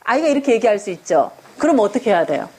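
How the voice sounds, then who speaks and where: A woman's voice: medium pitch, racing, slightly rough. A woman teaching a parenting class, lecturing to a room of parents and asking them rhetorical questions. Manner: animated, asks the audience rhetorical questions. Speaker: parenting education instructor.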